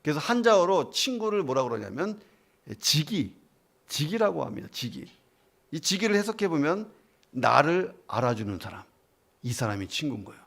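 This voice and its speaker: A male pastor preaches with a gravelly voice and a lively, swinging delivery. He tells stories and speaks directly to his congregation. His voice sits a little high. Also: normal speed. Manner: storytelling, animated, asks listeners questions. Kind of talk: sermon.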